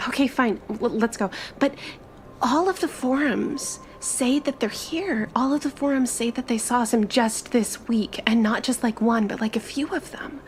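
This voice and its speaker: A woman's voice: fairly high pitch, moderate pace, a little hiss or hum, natural voice. A woman playing an eager, chatty young traveler in a tabletop roleplay, with gushing, informal, stop-start chatter. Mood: eager, insistent.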